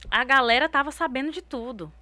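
A woman with a bright, ringing voice tells stories as an interview guest. She is a lively, expressive talker with a relaxed, chatty delivery. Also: sits high, brisk, dry recording. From Northeast Brazil. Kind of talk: casual interview storytelling.

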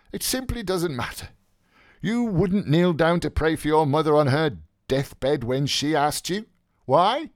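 A man voicing a brash, mocking young male medical student, quick and flippant. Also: mid-range voice, dry recording, clean studio sound, pitched above the performer's own voice.

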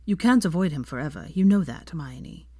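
A woman reading the lines of a young man who is a tired, blunt father, speaking in a low, muttered, weary way. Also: animated, brisk, mellow, husky, no echo, studio quality.

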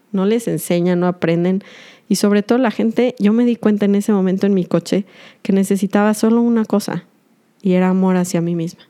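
A woman's voice: medium pitch, warm tone. A woman podcast host, earnest and confessional, speaking directly to her listeners in a reflective monologue.

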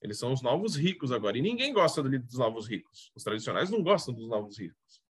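A man's voice: medium pitch, very animated, quick pace, husky, no room sound. A man with a Brazilian accent chatting casually as a podcast co-host, coughing now and then while talking through a TV episode. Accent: Brazilian Portuguese. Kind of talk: casual chat reviewing a TV series.

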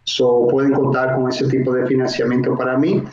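A man's voice: medium pitch, completely flat delivery, darkish tone. Dominican man, roomy lo-fi recording. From Dominican Republic. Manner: slow, explanatory, many filler sounds. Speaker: guest, mortgage broker and investor. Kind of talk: interview answers. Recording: roomy, dull lo-fi sound.

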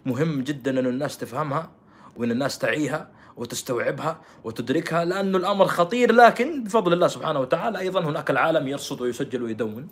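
A man giving scornful, rhetorical political commentary. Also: mid-range voice. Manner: scornful, rhetorical, jumps between loud and quiet.

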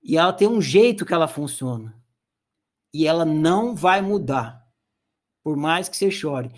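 A man's voice: on the high side, animated, unhurried. A man, hosting a music talk show, telling a folk tale and commenting in a blunt, slangy way. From Brazil. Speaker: podcast host and music commentator. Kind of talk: storytelling and casual commentary.

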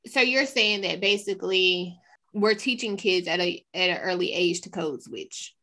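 A woman's voice: fairly low pitch, moderate pace, bright, forceful tone. A woman with an African American accent talking casually in a group discussion.

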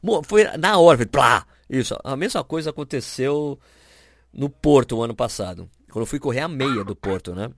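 A man's voice: medium pitch, normal speed, no room sound, studio quality. A man with a Brazilian accent, telling anecdotes in casual chat on a podcast and acting out the people he quotes. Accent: Brazilian Portuguese. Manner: animated, acts out quoted people. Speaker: podcast host.

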